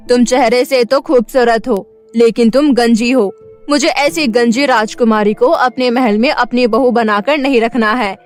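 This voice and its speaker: A woman's voice: on the high side, close to an everyday voice. A woman voicing an angry, haughty middle-aged queen and mother-in-law in a cartoon story, scolding and emphatic. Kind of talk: Hindi cartoon story dubbing. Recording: music bed behind the voice.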